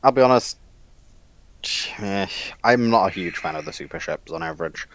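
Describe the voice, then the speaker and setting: A man's voice: low voice, animated, moderate pace, no echo. A man speaking casually as a panellist. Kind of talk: casual chat.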